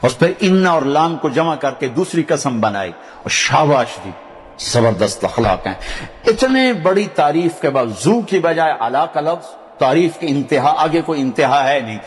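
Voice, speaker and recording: An older man from Pakistan with a Punjabi accent, preaching a sermon and telling stories, dropping low to recite Arabic verses. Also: animated, long reverb tail. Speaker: Islamic preacher.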